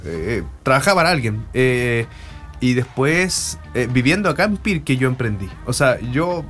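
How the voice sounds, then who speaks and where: A man with a Chilean accent, a local business owner talking as a guest in a relaxed, halting way. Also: medium pitch, soft background music. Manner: relaxed, hesitant, restarts often. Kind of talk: casual interview talk.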